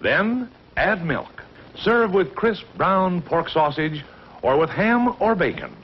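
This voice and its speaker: A man's voice: high voice, slow, slightly rough. A man announcing a 1940s radio commercial, an old archive recording, in an upbeat salesman's manner. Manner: upbeat, salesman-like, lively delivery. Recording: dull lo-fi archive broadcast with faint hiss.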